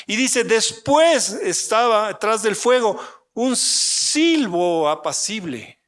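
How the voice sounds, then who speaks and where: Male pastor from Ecuador, high voice, dramatic sermon that acts out the story's voices. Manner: dramatic, acts out voices of God and the prophet with swings of pitch and loudness; asks the listeners questions.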